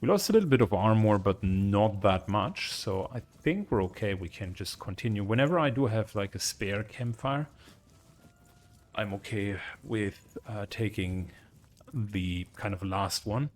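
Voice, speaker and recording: A man's voice: fairly low pitch, animated, a little slow. A man giving casual let's play commentary, thinking aloud through each tactical decision as he goes. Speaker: gamer playing and commentating. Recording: clear background noise, game ambience. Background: video game ambience.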